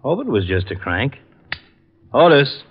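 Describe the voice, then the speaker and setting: An actor playing a worried homicide lieutenant in a 1940s radio drama, speaking in a terse, businesslike way. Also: male voice, medium pitch, sing-song, measured pace, breathy edge. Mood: uneasy. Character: gruff, worried male homicide police lieutenant. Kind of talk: 1940s radio detective acting. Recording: muffled old radio transcription.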